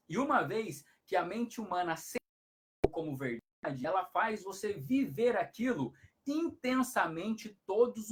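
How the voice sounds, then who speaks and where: A man's voice: high voice, a bit bright. Man giving parenting tips. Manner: explanatory, repetitive, frequent tag questions. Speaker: hypnotherapist. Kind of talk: live-stream parenting advice talk.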